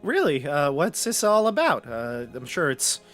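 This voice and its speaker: A man's voice: on the high side, wildly swooping pitch, moderate pace, fairly bright tone, faint music behind. A man voicing a nervous, innocent shopkeeper who stammers and pleads evasively in a tabletop game. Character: nervous, frightened, innocent male rug shopkeeper.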